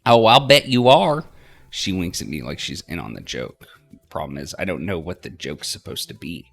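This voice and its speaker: Let's play host: male, very low, expressive range, reading narration with small stumbles over soft music. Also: normal speed, vocal fry, slightly rough. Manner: stumbles over words and repeats lines. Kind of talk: reading game narration aloud.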